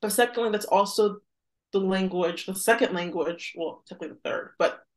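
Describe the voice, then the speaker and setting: A woman's voice: medium pitch, brisk. Young American woman, casual and reflective. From United States. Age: 20s. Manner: reflective, frequent "like" as filler. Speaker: podcast guest. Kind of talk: casual conversational interview.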